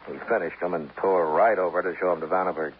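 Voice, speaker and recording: An actor playing a weary police lieutenant in a 1950s radio drama, briefing in a brisk, matter-of-fact way. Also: male voice, deep voice, fairly even intonation, lightly acted. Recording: dull old radio broadcast with faint hiss.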